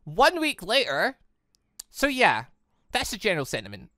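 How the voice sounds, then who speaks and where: A host reading a visual novel aloud with chatty commentary and quick reactions. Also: medium pitch, wildly swooping pitch, bright, forceful tone, no room sound, clean studio sound. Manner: chatty, reacts aloud and laughs at own slips. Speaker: let's-play host.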